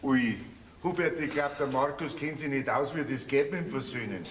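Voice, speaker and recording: A man's voice: mid-range voice, moderate pace, close to an everyday voice. An actor playing a jovial, teasing old farmer grandfather with a Bavarian accent in a stage folk comedy. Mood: coaxing. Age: older. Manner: teasing, folksy. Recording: roomy stage sound with reverb.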